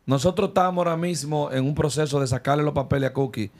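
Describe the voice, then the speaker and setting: A man hosting a live studio show, animated and rallying viewers to like and share. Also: fairly high pitch, quick pace. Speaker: host. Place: studio with red panels. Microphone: headset and desk mic.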